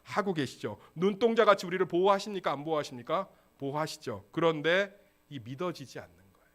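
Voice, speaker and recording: A man preaching a Sunday sermon as pastor, asking the congregation questions and answering them himself, with emphatic, animated delivery. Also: a little high, fairly quick. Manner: call-and-response questions to the congregation, lively and emphatic; acts out quoted lines in a casual voice. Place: church sanctuary.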